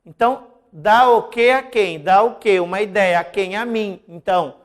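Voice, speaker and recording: A woman's voice: medium pitch, moderate pace. Brazilian lady teacher explaining exam answers, mid voice, keeps checking in with the class. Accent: Brazilian Portuguese. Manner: didactic, asks and answers own questions, says "né?" and "ó" often.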